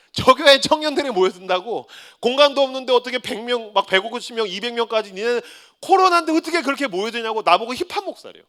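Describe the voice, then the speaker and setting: A male pastor in his forties preaching a sermon, telling his story with humor and swinging from hushed confession to loud defiance. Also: very high voice, lively intonation, a little fast. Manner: swings from hushed tearful confession to shouted defiance, acting out his own prayers.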